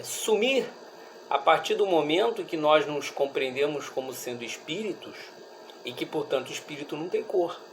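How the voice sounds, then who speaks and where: A man with a Brazilian accent giving a religious study talk in a reflective, halting way, often checking in with listeners. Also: fairly high pitch, slight background noise, rough recording. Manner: reflective, halting, with frequent rhetorical check-ins. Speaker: speaker at a Spiritist study group.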